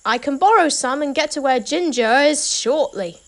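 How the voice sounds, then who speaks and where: Woman as a high-voiced, sincere young princess. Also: animated, moderate pace. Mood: resolving. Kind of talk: amateur audio drama acting.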